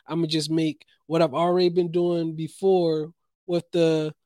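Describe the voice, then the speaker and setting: A young man from New Jersey co-hosting a casual podcast, talking in a lively, rambling, slangy way about his week and his writing. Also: on the high side, a little slow, dry recording, studio quality. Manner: animated, rambling storyteller, slangy. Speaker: podcast co-host, playwright. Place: Los Angeles.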